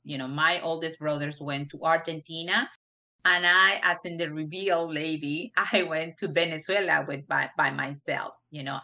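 A middle-aged woman with a Peruvian Spanish accent talks as a guest on an interview podcast. Her voice sits low yet sounds bright and forceful. She speaks earnestly and haltingly, with frequent fillers. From Peru. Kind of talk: interview conversation.

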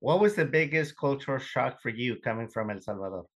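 A man hosting an interview program, reading a polished introduction and then asking measured questions. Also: mid-range voice, lively intonation, a bit bright. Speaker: host.

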